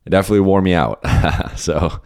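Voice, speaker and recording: A hoarse, worn-out man hosting a solo podcast, answering listener questions in a rambling, casual way with many restarts. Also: low-pitched, a little fast, darkish tone. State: hoarse, lost his voice and tired. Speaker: podcast host and basketball beat writer.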